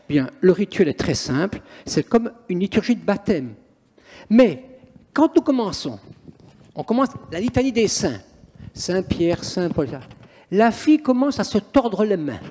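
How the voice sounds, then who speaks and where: Here the same kind of speaker, a male priest and exorcist, recounts stories during an interview in a theatrical, emphatic style. His voice is high with a darkish tone, and the room gives a long, reverberant echo.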